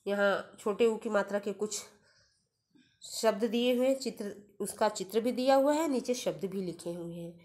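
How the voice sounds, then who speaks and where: A woman teaching a first-grade Hindi lesson, slowly spelling out each syllable before saying the whole word. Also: mid-range voice, darkish tone. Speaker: primary school Hindi teacher. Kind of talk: online class lesson, reading words aloud syllable by syllable.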